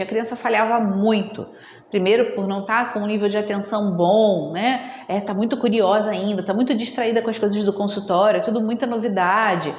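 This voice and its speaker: A woman, a speech therapist explaining in a conversational video lesson, often adding tag questions. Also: on the high side. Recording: roomy echo with long reverb.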